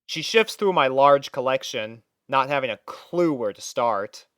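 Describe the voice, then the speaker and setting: A man narrating a first-person story from a script in an expressive storytelling manner. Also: mid-range voice, measured pace, smooth, no echo, clean studio sound.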